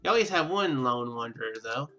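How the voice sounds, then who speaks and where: A man doing casual let's play commentary, reading game text aloud and rambling as he thinks out loud. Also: mid-range voice, lively intonation, brisk, soft background music. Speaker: gaming video host.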